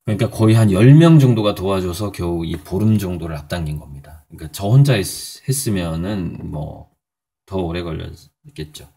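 A middle-aged man with a low, husky voice chats through his morning. He talks in a loose, rambling way, pausing on fillers and chuckling now and then. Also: lively intonation, warm tone. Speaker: painter and channel host. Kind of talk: casual morning vlog talk.

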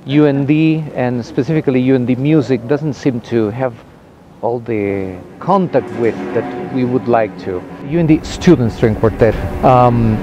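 A man in his forties speaking thoughtfully and haltingly in an interview as a university music director. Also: mid-range voice, muffled recording. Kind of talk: interview talk to camera. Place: outdoors on a campus lawn.

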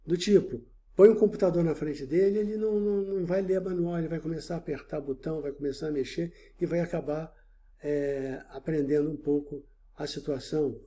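A man teaching to the camera in a loose, conversational lecture. His voice sits a touch high and sounds very dark and mellow. He keeps stopping to check in with the listener and often repeats a word before going on. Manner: talks directly to the viewer with frequent check-ins and rephrasings; halting, repeats words while searching for the next. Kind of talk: explanatory video lecture.

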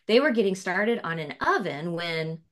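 Woman in her 40s, children's author chatting on a video call, expressive and explanatory. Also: on the low side, normal speed. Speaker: picture book author presenting. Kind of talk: read-aloud and casual presentation to children. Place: indoor room with bookshelves, on video call.

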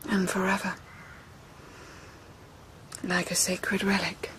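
Slow, grieving noble widow. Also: female voice, lowish voice, monotone, a bit bright, a little hiss or hum. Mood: mournful, devoted. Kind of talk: radio drama acting.

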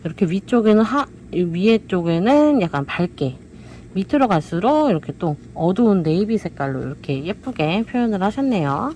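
A woman's voice: mid-range voice, big pitch swings, moderate pace, warm tone. Woman showing off pots in her shop, bouncy up-and-down voice, sweet and coaxing, bit of hiss behind. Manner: cheerful, coaxing, keeps asking "pretty, right?". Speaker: pot shop seller. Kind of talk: product showcase talk. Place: indoor pot shop.

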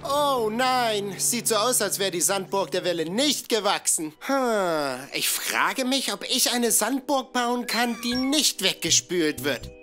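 A woman's voice: mid-range voice, expressive, slow pace, few pauses, noisy background. A woman voicing a cheerful, curious cartoon boy explorer in a children's show, exclaiming and wondering aloud to young viewers. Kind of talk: animated children's show dialogue. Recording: music behind the voice.

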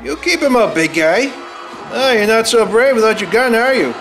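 An actor playing a bitter, cowardly, scheming husband in a radio play, snide and agitated. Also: male voice, very high-pitched, animated, normal speed, a bit bright, soft background music, exaggerated voice. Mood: spiteful. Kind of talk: live staged radio play reading.

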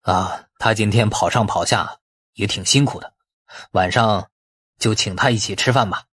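A man's voice: on the low side, moderate pace, fairly bright tone, slightly rough. A man voicing a lecherous older official in an audiobook, drawling and hesitant. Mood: musing, ingratiating.

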